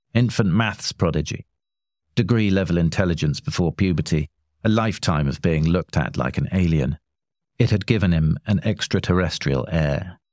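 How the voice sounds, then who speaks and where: A very low-voiced man reads a story with a dry, wry edge. The sound is close and dead, with no room in it. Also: darkish tone, dry recording. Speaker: narrator reading a short story. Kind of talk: scripted narration.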